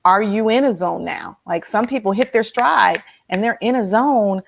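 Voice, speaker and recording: A woman's voice: mid-range voice, normal speed, creaky, slight background noise. A woman host with a slightly nasal voice, leading a casual motivational talk and asking her listeners many questions.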